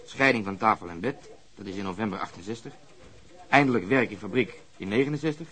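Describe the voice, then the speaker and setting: A man's voice: lowish voice, fast, fairly bright tone, poor audio. A man acting in a radio drama as a brusque, sardonic police detective with a matter-of-fact delivery. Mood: sardonic, disgusted. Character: brusque, cynical, sarcastic male police detective.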